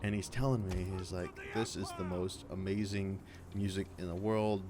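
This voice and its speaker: Male let's play host, young adult, low-pitched, chatty anecdotal delivery, home mic with clear background noise. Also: steady tone, normal speed. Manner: rambling, conversational, quotes others. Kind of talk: casual anecdote storytelling.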